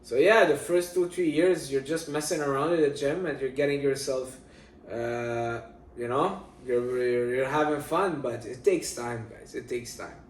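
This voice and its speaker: A man's voice: mid-range voice, measured pace, a little hiss or hum. Fitness guy from syria ranting to camera, keeps saying guys, echoey room. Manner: emphatic, repeats key points, addresses viewers as guys. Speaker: fitness vlogger. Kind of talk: casual talk to camera. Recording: roomy, distant from the mic.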